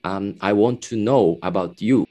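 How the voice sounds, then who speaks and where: Guy hosting an interview, low voice, simple slow questions, lots of mm-hmms. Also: dark tone, faint music behind. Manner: slow, simple phrasing, frequent backchannels. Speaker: interview host. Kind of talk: casual interview.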